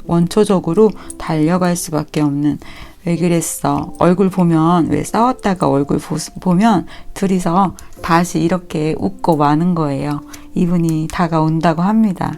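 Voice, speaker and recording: Gentle, slightly low-voiced woman tarot reader. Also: vocal fry. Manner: gentle, reassuring, acts out quoted lines. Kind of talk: tarot reading for viewers.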